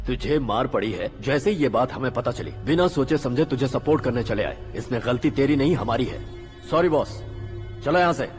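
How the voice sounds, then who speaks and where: An actor playing a commanding gang leader with a code of honour in dramatic film dialogue, over music. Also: male voice, mid-range voice, lively intonation, moderate pace, natural voice. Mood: stern, apologetic.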